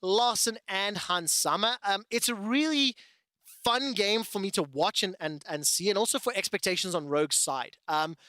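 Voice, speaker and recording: Esports play-by-play caster, bright edge, energetic live commentary. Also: medium pitch, dry recording, clean studio sound. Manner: excited, rapid hype calls rising into analytical chat.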